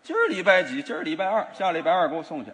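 A man's voice: sits high, big pitch swings, very fast, a bit bright. A man in a crosstalk comedy act, protesting and bickering in an indignant way. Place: theater stage before a live audience. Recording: reverberant live theater sound.

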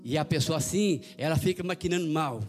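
Man, pastor, rapid-fire sermon, acts out voices in his stories, guitar playing behind. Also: on the high side. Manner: animated storytelling, acting out quoted voices. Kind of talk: evangelical sermon. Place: church. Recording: sermon over live guitar music.

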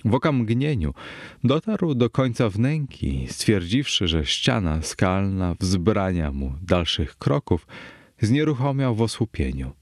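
Deep male narrator, slow and expressive, theatrical audiobook storytelling, dry sound. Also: no room sound. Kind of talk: literary audiobook reading.

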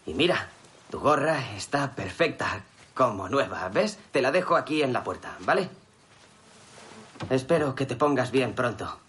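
A man's voice: medium pitch, animated, a little slow, a bit bright. An actor playing an impulsive young village man who grumbles and apologizes sheepishly.

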